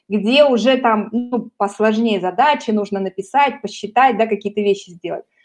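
At a moderate pace, a woman speaks with a normal speaking voice, a fairly high pitch and ordinary pitch variation. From Russia, Perm. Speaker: singer and music teacher. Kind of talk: interview.

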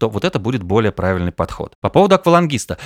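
Animated in tone, a man at a medium pitch talks at a very fast pace in a dry, close sound with no echo. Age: 40s. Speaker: radio host and podcast producer, voice coach. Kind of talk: voice exercise tutorial; casual interview chat. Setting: remote call.

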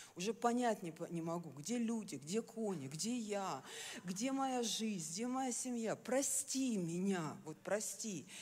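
A woman speaks at a medium pitch with a somewhat breathy voice. Her pace is very slow and her intonation is lively. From southern Russia, Rostov-on-Don. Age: 40s. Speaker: woman preacher. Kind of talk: sermon.

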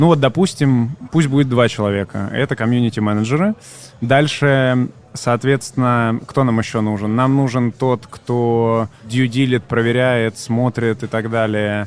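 In an ordinary speaking voice, a man talks at a medium pitch and a fairly slow pace with fairly even intonation. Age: 20s. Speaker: startup founder. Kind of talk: business pitch.

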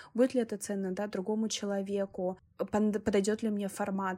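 The woman's voice is fairly high in pitch, with a dark, mellow tone. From Russia, Arkhangelsk. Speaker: business psychologist and coach. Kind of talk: interview.

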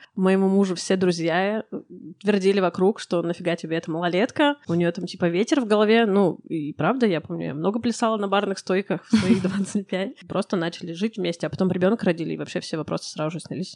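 This woman has an unremarkable speaking voice, medium in pitch, with ordinary pitch variation at a fairly quick pace. The sound is dry and close, with no echo. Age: 30s. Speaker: interior designer. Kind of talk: casual chat.

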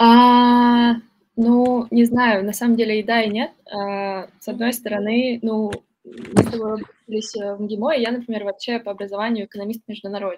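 Her voice fairly high, a woman talks at a moderate pace in a monotone, flat intonation. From Moscow, Russia. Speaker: marketer. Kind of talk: interview.

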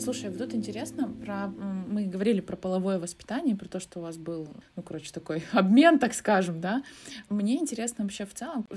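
A woman speaks at a fairly quick pace with lively intonation. Her medium-pitched voice has a dark, mellow tone. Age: 20s. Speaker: podcast co-host, counseling psychologist. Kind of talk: casual interview.

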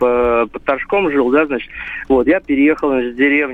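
A man talks at a medium pitch, letting it rise and fall with ordinary variation. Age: 50s. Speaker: caller. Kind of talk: phone-in complaint. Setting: phone call. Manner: halting, many fillers.

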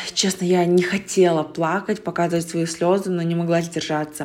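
A woman with an ordinary speaking voice, medium pitch and a moderate pace. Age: 20s. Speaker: listener sharing a story. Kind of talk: personal story.

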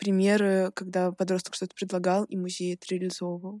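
A woman with a medium pitch and a dark, mellow tone speaks in a monotone, flat way, the sound dry and close with no echo. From Moscow, Russia. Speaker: museum educator, podcast co-host. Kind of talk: podcast conversation.

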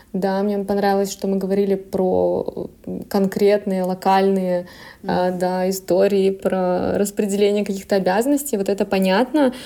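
At a moderate pace, a woman speaks at a medium pitch with fairly even intonation and a dark, mellow tone. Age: 30s. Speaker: journalist and graduate student. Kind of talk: casual chat. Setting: in person, together in Antwerp.

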